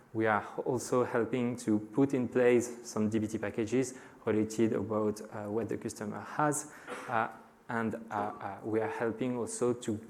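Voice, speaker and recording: A middle-aged man from France with a French accent, giving a conference talk to a live audience and pausing often on filler sounds. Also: fairly low pitch, darkish tone. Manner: frequent hesitations with many "uh" fillers. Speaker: conference speaker.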